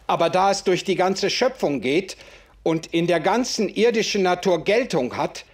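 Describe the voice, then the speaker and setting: An actor playing an impassioned writer in a radio play, speaking in declamatory, old-fashioned formal sentences. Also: male voice, high-pitched, animated, normal speed. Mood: earnest. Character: impassioned male writer defending the oppressed. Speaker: author figure in conversation. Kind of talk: German radio play acting.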